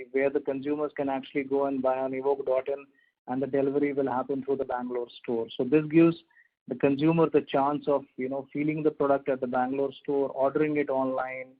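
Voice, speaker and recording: Business exec guy on a tinny call, pretty flat delivery, formal. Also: medium pitch. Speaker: company executive. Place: telephone conference call. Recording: narrowband phone line.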